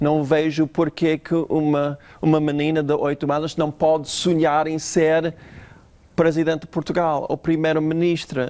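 A man speaks fairly slowly at a fairly high pitch with monotone, flat intonation. The recording is very clean, with a silent background. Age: 60s. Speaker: novelist. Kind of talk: interview. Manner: halting, with fillers.

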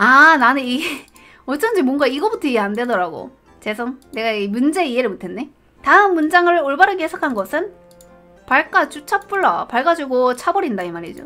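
Faint music plays behind a woman whose raised, projected voice sits high in pitch, swings very widely in pitch and greatly in loudness, and moves at a moderate pace. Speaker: streamer. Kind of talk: casual livestream talk while doing a quiz. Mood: playful, puzzled. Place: home room. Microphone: studio mic.

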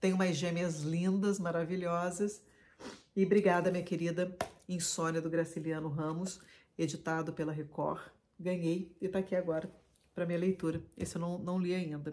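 A woman with a fairly low pitch and a dark, mellow tone talks at a moderate pace with monotone, flat intonation. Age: 60s. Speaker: book vlogger. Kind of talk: casual vlog talk to camera. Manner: hesitant, many fillers. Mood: warm, grateful. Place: home room. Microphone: phone near.

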